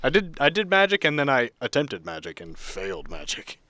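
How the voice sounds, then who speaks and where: Lively bright-voiced man, wry podcast banter. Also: medium pitch, a little fast, no room sound. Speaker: tabletop podcast player. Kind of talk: casual banter.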